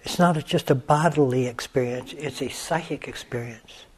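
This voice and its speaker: A man in his seventies leading a guided meditation, gentle and unhurried, with long pauses between phrases. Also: mid-range voice, slightly rough. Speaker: meditation teacher.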